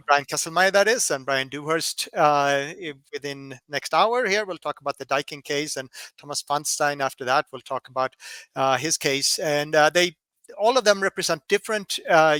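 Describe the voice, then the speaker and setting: A man from Colorado presenting a workshop webinar, halting with many fillers and restarts. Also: a little high, a bit bright, clear, resonant tone, no room sound.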